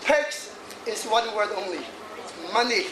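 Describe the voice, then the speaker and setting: A man's voice: high voice, a little slow, far from the mic. A man in his sixties, a feng shui master giving a jokey talk to an audience, laughing often and chatting between points. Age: 60s. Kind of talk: lively lecture to an audience. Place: hall in front of an audience. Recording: echoey hall audio from afar with noise.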